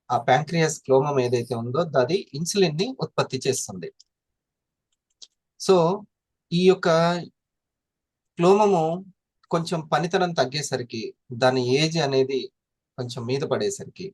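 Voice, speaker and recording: A man's voice: mid-range voice, slightly rough, no echo. A man explaining in a classroom style, constantly asking his listeners questions. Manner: asks the audience questions often. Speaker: presenter explaining health products.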